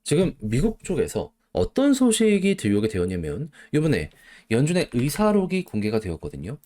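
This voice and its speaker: A man giving solo stock market commentary, explaining things in an animated way and asking rhetorical questions. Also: a little fast. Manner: animated, rhetorical questions, emphatic pitch swings.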